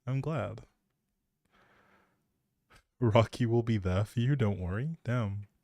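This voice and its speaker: A man's voice: fairly low pitch, slow pace, dark tone, dry recording, studio quality. A man chatting casually as a live streamer, playful and teasing as he thinks aloud while commenting on a game.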